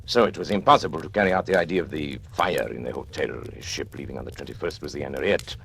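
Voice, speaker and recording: Scheming criminal mastermind for a vintage radio drama, very deep gravelly voice, grand and measured. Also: male voice, a bit bright, a little hiss or hum, heavily acted. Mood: coldly boastful. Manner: grandiose, measured villainous narration. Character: cold scheming male master criminal narrator. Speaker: first-person narrator. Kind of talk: 1940s radio acting.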